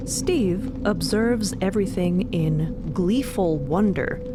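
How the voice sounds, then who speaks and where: A woman's voice: mid-range voice, takes it slowly, over loud music. A woman reading scripted narration for a fiction podcast.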